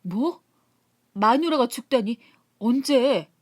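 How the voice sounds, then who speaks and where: Woman doing a middle-aged male friend, sober, calm, mildly chiding, storybook voice. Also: on the high side, slow pace. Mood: startled scolding.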